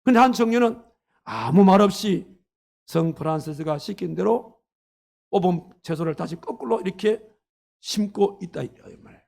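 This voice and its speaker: A man's voice: sits high, expressive, normal speed, creaky, a little mellow. A man preaching as a pastor, earnestly retelling a story with its quoted dialogue. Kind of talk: sermon. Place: church sanctuary.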